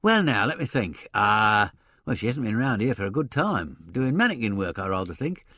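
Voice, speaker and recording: A man's voice: lowish voice, big pitch swings, normal speed, pushed and bright, no room sound, exaggerated voice. A man voicing a blunt, talkative older theatrical agent who speaks in a colloquial, opinionated way. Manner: colloquial, drops grammar, chuckles, opinionated. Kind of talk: audiobook character reading.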